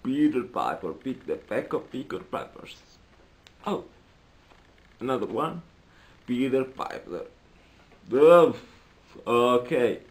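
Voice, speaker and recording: A man in his twenties with an Italian accent, chatting casually as a vlogger in halting, hesitant English as a native Italian speaker. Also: medium pitch, very animated, a little mellow. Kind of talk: casual vlog chat. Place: small cluttered room indoors.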